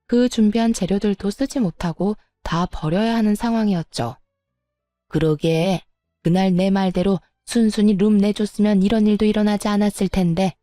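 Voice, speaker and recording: Warm indignant woman narrator. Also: medium pitch, no echo, studio quality. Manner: indignant, emphatic. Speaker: story narrator. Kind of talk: first-person scripted story narration.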